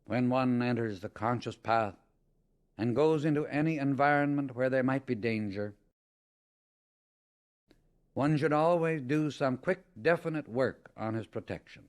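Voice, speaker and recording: A man reading a scripted spiritual teaching as an audiobook, in a solemn, deliberate and emphatic manner. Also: mid-range voice. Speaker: audiobook reader.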